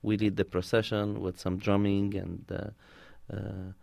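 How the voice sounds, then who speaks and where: Low-voiced man, close dry sound. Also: flat delivery, measured pace, gravelly, darkish tone, dry recording. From Palestine. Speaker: interviewee, community organizer. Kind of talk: conversational interview answers, telling personal stories.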